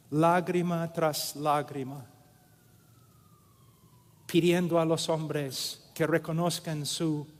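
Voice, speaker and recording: Slow emphatic male preacher, reverberant hall. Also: on the high side, darkish tone. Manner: slow and emphatic, repeating phrases. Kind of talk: sermon.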